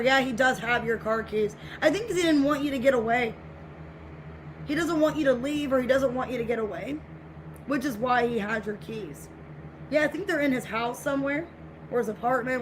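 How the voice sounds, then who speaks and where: A woman giving a casual tarot reading to viewers, speaking in a repetitive, reassuring way, with her voice getting scratchy. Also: fairly high pitch. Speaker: tarot reader.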